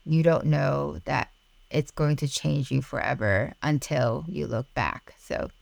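Low, creaky-voiced woman, slow talker. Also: dry recording. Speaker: podcast guest. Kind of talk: reflective personal storytelling.

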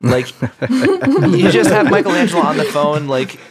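A man in his thirties hosting a casual podcast chat, relaxed and laughing often. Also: a little high, measured pace, a crowd in the background. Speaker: podcast host.

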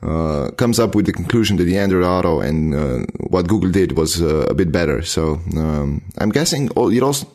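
A man speaking English as a second language, hosting a casual tech chat and pausing often with fillers. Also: low-pitched, lively intonation, darkish tone. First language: not English. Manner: hesitant, many filler pauses.

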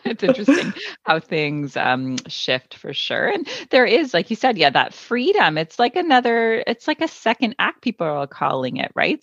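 A woman in her forties with a fairly low voice talks casually and candidly on a podcast. The sound is dry and a little dull, as if the top end is trimmed. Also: dry recording. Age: 40s. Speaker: podcast co-host. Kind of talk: casual conversational health podcast. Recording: dull, band-limited sound.

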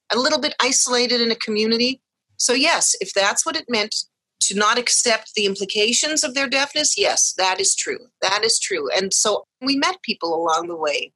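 Woman, middle-aged, bright tense voice, earnest storytelling. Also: a little high, breathy edge, no echo, poor audio. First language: English. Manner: earnest, reflective, emphatic. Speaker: podcast guest, parent of deaf children. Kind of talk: conversational storytelling.

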